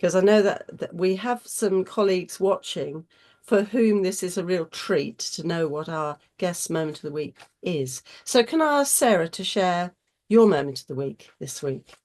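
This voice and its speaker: A woman chairing an online session in a chatty, effusive way, her voice husky from a cold. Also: lowish voice, lively intonation, normal speed, darkish tone. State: getting over a cold. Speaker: host chairing an online webinar. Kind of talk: informal presenter's welcome and introductions.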